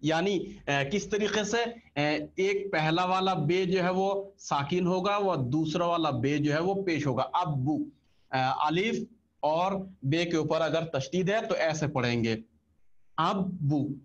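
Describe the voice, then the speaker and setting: A man's voice: fairly high pitch, takes it slowly, highs cut off. A man teaching an online Quran reading class, patiently repeating letter sounds for drilling.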